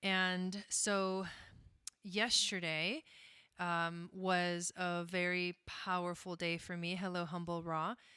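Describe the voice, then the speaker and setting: On a very clean recording with a silent background, a woman speaks very slowly in a fairly low pitch, her tone bright and sharp and her intonation monotone and flat. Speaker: spiritual livestream host. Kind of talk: livestream chat. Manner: subdued, sober tone.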